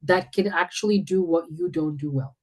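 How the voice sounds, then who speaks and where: A woman from India talks as a podcast guest, in a slightly low voice. She speaks confidently and emphatically, and she often restarts her sentences as she goes. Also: normal speed, darkish tone. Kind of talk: casual interview chat.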